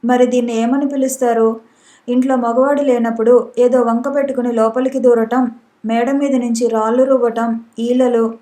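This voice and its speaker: A woman's voice: on the high side, little pitch movement, normal speed, dark tone, lightly acted. A woman reading an indignant officer husband. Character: indignant middle-aged male officer, accusing husband. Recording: roomy echo.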